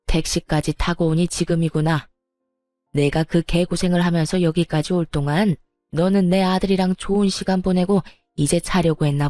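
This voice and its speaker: A spiteful older mother-in-law scolds and mocks in a storybook drama, as a woman narrator voices her. Her voice sits warm and mellow, recorded dry and close. Faint music plays underneath. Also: on the low side, no echo, natural voice. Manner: sneering, bullying, sarcastic.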